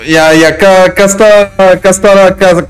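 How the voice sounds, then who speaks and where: A man's voice: sits high, fairly even intonation, moderate pace, close to an everyday voice. A man playing a hot-headed, menacing gang member in an improvised online crime roleplay, talking in slang with repeated verbal tics. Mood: businesslike plotting.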